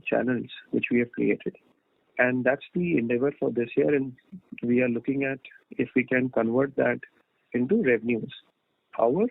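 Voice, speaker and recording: A man with an Indian accent speaking as a company executive, explaining formally and in a measured way on an earnings call. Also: medium pitch, vocal fry, slightly rough, no echo. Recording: narrow tinny phone line.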